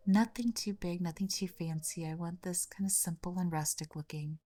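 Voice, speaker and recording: A woman hosting a craft tutorial, talking through each step in a chatty way, her voice slightly raspy and hoarse from a cold. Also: lowish voice, steady tone, moderate pace, mellow, no room sound. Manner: chatty, step-by-step, frequent small repeats. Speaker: craft channel host. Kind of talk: casual craft tutorial narration.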